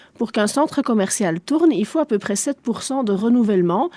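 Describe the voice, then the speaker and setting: The voice has lively intonation and a German accent. The recording is very clean, dry and close, with a silent background and no echo. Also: woman. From Belgium, Spa area (Liège province). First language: German (speaking French). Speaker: shopping centre director. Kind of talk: radio interview.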